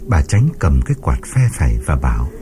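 A man's voice: a bass voice, big pitch swings, brisk, warm tone. A man narrating a ghost story in a suspenseful, dramatic audiobook style, over background music.

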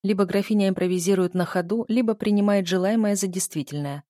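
A woman's voice: medium pitch, fast, warm tone, no echo, studio quality, lightly acted. A woman narrating an audiobook voices a cold, commanding male necromancer who speaks in a clipped, controlled way.

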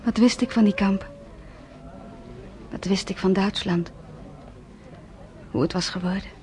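An actress playing a young Jewish woman survivor who narrates her own story in a radio play, softly and often close to a whisper. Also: mid-range voice, steady tone, measured pace, lightly acted. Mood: subdued, grave. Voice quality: soft-spoken, often near a whisper.

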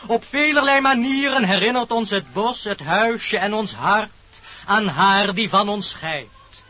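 A man's voice: high-pitched, a little slow, sharp tone, full character voice. A man playing a pompous little animal preacher in a radio play, solemnly declaiming rhymed verse like a sermon. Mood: solemn, lofty. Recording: dull old radio recording.

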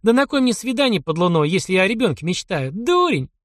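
A man's voice: high-pitched, big pitch swings, quick pace, no room sound, studio quality, voice pushed up. A man voicing a strong-willed young woman, speaking in a raised, spirited voice. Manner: spirited, pointed.

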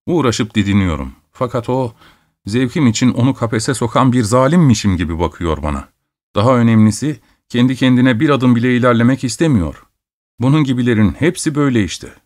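A man voicing a tired, irritated gentleman who broods aloud in an audiobook. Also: mid-range voice, expressive, fairly quick, natural voice. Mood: exasperated. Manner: brooding, exasperated. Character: weary, irritated gentleman landowner.

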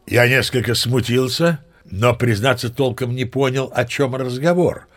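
A man's voice: medium pitch, normal speed, fairly bright tone, slight background noise, close to an everyday voice. An actor playing a boastful old sea captain who tells tall tales expressively in an audio play, savoring his words. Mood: flustered, dismayed. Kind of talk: theatrical storytelling in an audio play.

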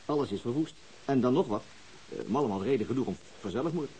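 A man's voice: mid-range voice, animated, brisk, warm tone, lightly acted, poor audio. A man acting a pragmatic, weary police detective in a radio drama, colloquial and dry. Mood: reluctant. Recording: faintly hissy old radio recording.

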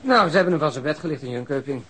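An actor playing an eager, talkative police detective in a radio drama, with a slightly husky voice. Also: male voice, fairly high pitch, lively intonation, racing, bright, forceful tone. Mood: eager, amused.

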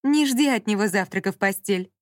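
A woman's voice: mid-range voice, animated, brisk, dry recording, studio quality, natural voice. A woman voicing a rude, mocking female voice assistant in an audiobook, delivering insolent put-downs. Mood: snide. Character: snide rude female smart-speaker voice assistant.

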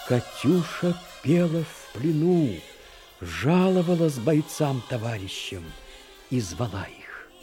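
A man reading scripted narration of a war story as the narrator of a radio drama, in a mellow voice. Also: mid-range voice, very animated, slow pace, over music.

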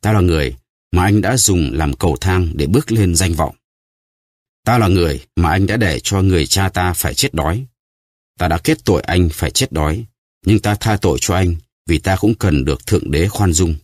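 A man voicing a stern, vengeful nobleman who speaks gravely and solemnly, in a deep, dry voice. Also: lively intonation, normal speed, a little mellow, no echo.

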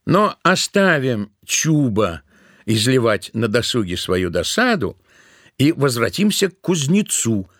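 A man narrating a literary tale in an audio drama with expressive, dramatic storytelling. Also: medium pitch, a little slow, dry recording, clean studio sound.

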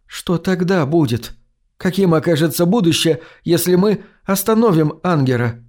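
A man's voice: lively intonation, moderate pace, darkish tone, lightly acted. A man reading an audiobook, voicing a frightened, near-hysterical woman in a raised, breathless voice. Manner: breathless, pleading, raised pitch.

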